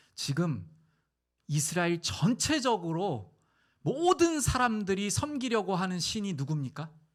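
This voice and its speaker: This man's voice is somewhat breathy. His pitch rises and falls very widely. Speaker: senior pastor. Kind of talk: sermon. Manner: rhetorical questions to the congregation.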